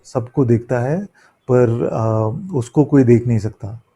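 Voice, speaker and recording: A man giving a spiritual discourse as a teacher, halting as he searches for words in imperfect, non-native Hindi mixed with English words. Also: medium pitch, fairly even intonation, dark tone, slightly rough. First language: not a native Hindi speaker, apologises for imperfect Hindi. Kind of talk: spiritual discourse in question-and-answer setting.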